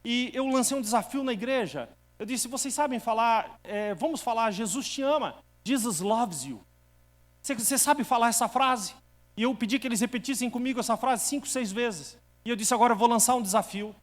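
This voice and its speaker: A male pastor with a high-pitched voice preaches to his congregation. He tells a story and calls on the listeners to answer him. His voice rings through a hall with a long reverb. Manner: storytelling, challenges the congregation to respond. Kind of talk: sermon.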